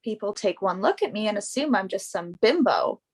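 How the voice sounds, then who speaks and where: A woman's voice: mid-range voice, animated, normal speed, lightly acted. A woman acting in a play reading as a confident, earnest young fashion model who speaks up for herself. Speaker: actor in a virtual staged reading.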